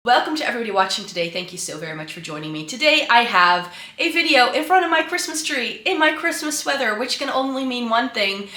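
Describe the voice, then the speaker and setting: Woman vlogging, stuffy and a bit raspy from flu, bright tone, echoey room with the camera set back. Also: on the high side, expressive, fast talker, hardly any pauses, faint music behind. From Netherlands. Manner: chatty, with frequent ums and restarts. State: congested and slightly raspy from flu. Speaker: beauty vlogger. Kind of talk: casual chat to camera. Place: home room by a Christmas tree. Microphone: camera mic, set some way off.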